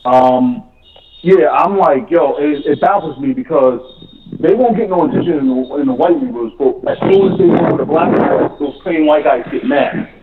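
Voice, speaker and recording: Dude calling in, casual, lots of uh and um, slightly high voice, tinny echoey phone sound. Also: male voice, moderate pace, very noisy. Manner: casual, hesitant starts. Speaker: caller. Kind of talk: call-in chat.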